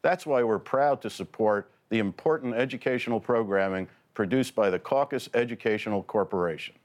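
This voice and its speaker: A man reading a scripted sponsor message in a calm, earnest way. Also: fairly low pitch, fairly quick. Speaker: sponsor spokesman.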